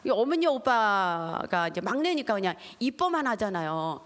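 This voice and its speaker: A middle-aged woman, a pastor's wife, giving a lively testimony sermon at a church service and acting out the voices in her stories. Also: medium pitch, normal speed. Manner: animated storytelling, acting out quoted voices. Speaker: pastor's wife, guest speaker.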